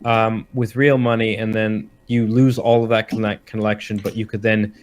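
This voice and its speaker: A man with a fairly low voice talks casually about games. He hosts in an explanatory, halting way, often reworking his sentences as he goes. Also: level tone.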